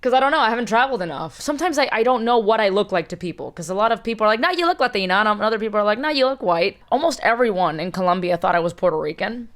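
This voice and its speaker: A woman from a Miami Cuban background with a Cuban American accent, co-hosting a podcast in casual, animated chat, laughing often and swearing. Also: medium pitch, racing, few pauses. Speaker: podcast co-host.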